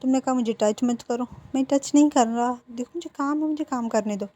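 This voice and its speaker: A woman voicing a patient young man who coaxes and apologizes in a gentle, reassuring way. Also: high-pitched, a little fast. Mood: exasperated. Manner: coaxing, reassuring.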